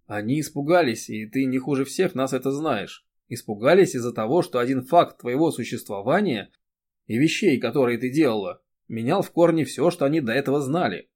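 A man's voice: medium pitch, a little fast, a little mellow, natural voice. A male reader voicing a blunt, protective young man who talks firmly and soothingly. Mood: stern insistence. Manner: firm, reassuring, sometimes barking. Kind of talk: audiobook character reading.

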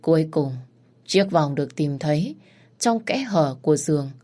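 Low-voiced woman telling a story. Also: animated, moderate pace, warm tone. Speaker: narrator. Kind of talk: first-person storytelling.

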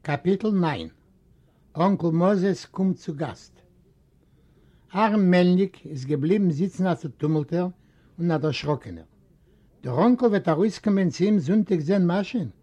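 A male reader from Eastern Europe, a native Yiddish speaker, narrates a novel in a steady, measured way. His voice sits high for a man. The recording is dull and lo-fi. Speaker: audiobook reader. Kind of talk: read-aloud literary narration.

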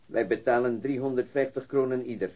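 An actor playing an immigrant truck driver who speaks halting, broken Dutch as a non-native, searching for words. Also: male voice, medium pitch, lightly acted. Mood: plain, matter-of-fact. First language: not Dutch. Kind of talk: radio drama acting. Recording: dull, band-limited radio recording.

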